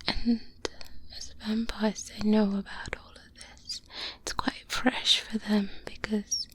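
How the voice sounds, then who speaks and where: A woman playing a seasoned vampire hunter, a calm and protective mentor, in a soft-spoken ASMR roleplay, hushed and breathy, close to the microphone. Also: mid-range voice. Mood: grave, reflective. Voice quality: breathy, whispery. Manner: slow, deliberate, hushed, with long pauses. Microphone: close-up binaural microphone.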